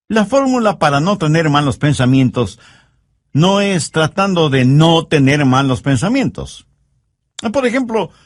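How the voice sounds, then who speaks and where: A male preacher delivers a sermon with an earnest, pleading manner, his pitch rising and falling in lively swings. He stretches out the words he wants to land. The sound is close and dry, with no room around it. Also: no echo.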